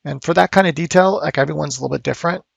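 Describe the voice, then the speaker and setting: Gravelly-voiced man rambling through a tutorial. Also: fairly high pitch, very fast, no room sound. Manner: rambling, thinking aloud with fillers. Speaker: art instructor. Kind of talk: casual sculpting tutorial. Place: home studio.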